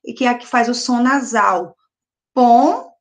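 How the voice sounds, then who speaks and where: A woman's voice: on the high side, moderate pace, a bit bright. A middle-aged Brazilian woman teaching a recorded first-grade lesson, patiently asking questions and sounding words out syllable by syllable. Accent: Brazilian Portuguese. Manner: patient, asks children questions and answers them. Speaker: primary school teacher.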